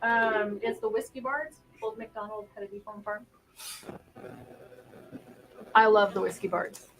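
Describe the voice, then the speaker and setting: A woman's voice: mid-range voice, unhurried, a bit bright, rough recording. A woman player in casual table chat, swearing freely and reciting crude song lyrics with a gleeful edge.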